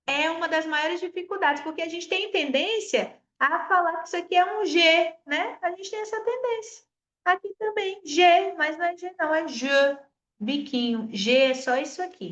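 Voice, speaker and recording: High-voiced Brazilian teacher in echoey room. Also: female voice, expressive, fairly bright tone, lo-fi sound. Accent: Brazilian Portuguese, Espírito Santo. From Brazil, Espírito Santo. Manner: explains patiently, coaxes viewers to repeat sounds; models French words slowly. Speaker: French teacher. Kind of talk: online language lesson.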